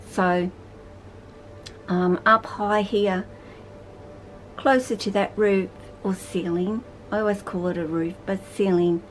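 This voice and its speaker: A woman's voice: medium pitch, darkish tone. A woman vlogging casually from her snake room at home, chatty and rambling, stopping to talk to her pets, filmed on a handheld phone. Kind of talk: casual instructional vlog.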